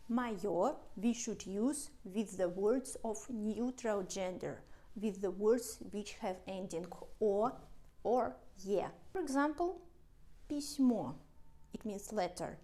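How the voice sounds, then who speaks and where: A woman teaches beginners in an unhurried lesson. She speaks very slowly and spells out and repeats each word so learners can follow. Her pitch sits in the middle range. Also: dark tone. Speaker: Russian teacher. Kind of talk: slow language lesson.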